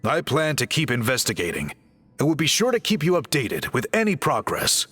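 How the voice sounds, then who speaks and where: A man playing an earnest, courteous tribal craftsman and reformer in a video game, speaking in polite, measured, articulate phrases. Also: on the high side, wildly swooping pitch, fairly bright tone, breathy edge, heavily acted. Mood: regretful, apologetic. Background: background music.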